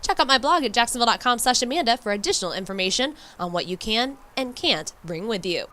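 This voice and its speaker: A woman's voice: a little high, animated, fast, pushed and bright. A woman reading scripted news narration as a multimedia reporter.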